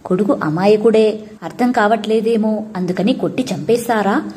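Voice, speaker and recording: A woman's voice: medium pitch, normal speed, mellow, close to an everyday voice. A woman voicing a devout Brahmin mother who pleads and then protects her son sternly, in a storybook reading. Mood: distressed.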